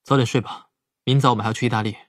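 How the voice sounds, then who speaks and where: An actor playing a calm, analytical young male investigator in an audiobook drama, speaking in a measured, reasoning way. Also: medium pitch, no room sound, lightly acted. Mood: soft, teasing.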